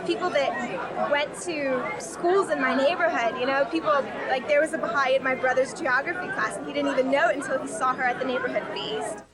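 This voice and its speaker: Young woman, high pitch, casual interview chat, very loud crowd behind. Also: a little fast. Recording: very loud crowd in large room.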